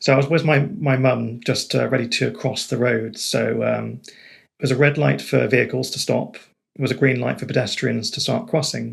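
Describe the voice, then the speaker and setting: The speaker talks at a moderate pace with an Oxford accent. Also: man. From England, Oxford. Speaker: near-death experiencer. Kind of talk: testimony. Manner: halting.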